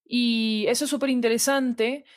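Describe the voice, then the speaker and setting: A woman's voice: fairly high pitch, fairly even intonation, moderate pace, no echo. Reflective Latin American woman, dry sound. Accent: Latin American Spanish. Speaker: podcast guest discussing audio fiction. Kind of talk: conversational interview discussion.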